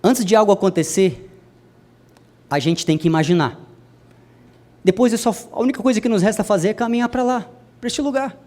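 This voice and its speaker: A young adult man preaching a sermon to a congregation, speaking to them directly and swinging his voice from soft to loud. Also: fairly quick, pauses often. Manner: addresses the congregation directly, wide swings in pitch and loudness.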